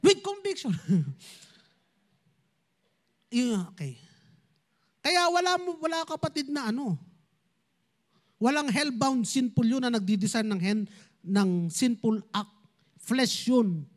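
A man's voice: very high voice, expressive, slow pace, long pauses. A man, preaching a sermon as pastor and speaking directly to his congregation. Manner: switches between Tagalog and English, addresses congregation directly.

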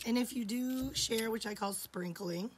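A woman in her forties hosts a live jewelry sale from her home desk, her voice hoarse and half gone so she keeps slipping into whispers. She speaks slowly and warmly to her viewers. A steady hiss of noise sits under the webcam sound. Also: a little high. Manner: chatty and affectionate, often drops to a whisper. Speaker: jewelry seller hosting a live stream. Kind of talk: live-stream sales chat. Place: indoor home studio.

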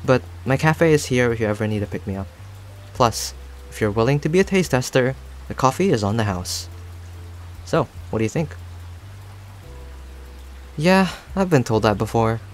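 A man playing a friendly, talkative cafe owner in a roleplay audio, speaking to the listener in a chatty, rambling, gently attentive way. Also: mid-range voice, lively intonation, normal speed, long pauses, a little hiss or hum, natural voice. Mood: gentle concern, then reflective, friendly. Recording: soft music and rain behind. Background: music and rain sounds.

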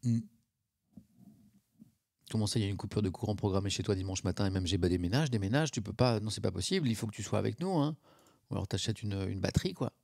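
A man's voice: lowish voice, quick pace, vocal fry, darkish tone. A man, chatting casually on a live stream, reacting to chat and mocking himself.

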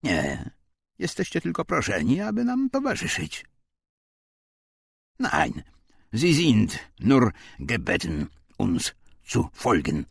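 A man puts on German officers and guards for a war audiobook, curt and commanding. The husky, gravelly voice is raised above his narrating pitch, with an official bite. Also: wildly swooping pitch, slow, long pauses, no echo, studio quality, exaggerated voice.

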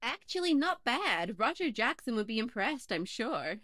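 A woman's voice: on the high side, sing-song, moderate pace, fairly bright tone, dry recording, clean studio sound. A woman playing a chatty, wry podcast host who dismisses callers' suggestions, in an audio play.

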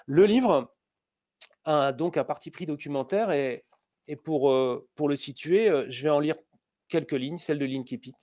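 A man's voice: on the high side, moderate pace, a little mellow, dry recording, studio quality. Hesitant male interviewer on a video call. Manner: hesitant, many filler sounds and restarts. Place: room with posters behind. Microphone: webcam on a video call.

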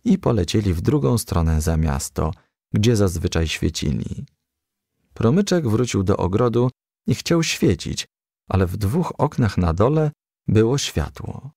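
Narrator, male, low gravelly voice, lively children's-book reading, dry close mic. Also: unhurried, dry recording. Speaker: audiobook reader.

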